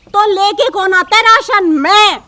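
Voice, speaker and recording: A woman playing a sharp-tongued young police officer who is also a daughter-in-law. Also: very high-pitched, unhurried, full character voice. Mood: stern. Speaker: police officer in a comedy telefilm.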